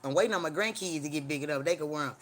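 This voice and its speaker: A man's voice: fairly high pitch, very fast, a bit bright, a little hiss or hum. A middle-aged man with a Southern African American Mississippi accent, chatting casually on a livestream in a rambling, blunt, profane country way. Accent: Southern African American English, Mississippi. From Mississippi, USA.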